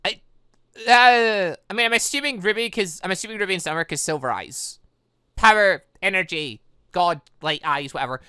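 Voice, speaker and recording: A let's player giving excited, rambling commentary on a game while reading its dialogue aloud. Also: mid-range voice, moderate pace, smooth, no echo, studio quality. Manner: rambling, animated, exclaiming.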